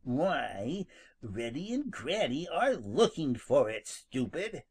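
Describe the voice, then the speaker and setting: A sly, grinning skunk who teases in a slow, easy drawl, as a storybook narrator puts him on. His voice is slightly husky and ranges widely in pitch. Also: sing-song, full character voice. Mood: teasing. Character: sly, grinning male skunk, good-natured.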